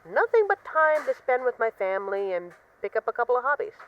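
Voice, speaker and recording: A woman's voice: on the high side, big pitch swings, a little fast, highs cut off. A woman acting as a bored, restless mafia boss who misses a partner, talking in a wry, dramatic, rambling way in an intimate voice-message roleplay. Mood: exasperated, wry.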